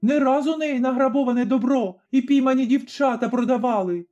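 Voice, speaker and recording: A man's voice: very high-pitched, a little fast, dark tone, pitched above the performer's own voice. A man voicing a young servant girl who speaks urgently and accusingly in a storybook reading. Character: young servant girl, frightened but bold. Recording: slightly dull recording, faint music.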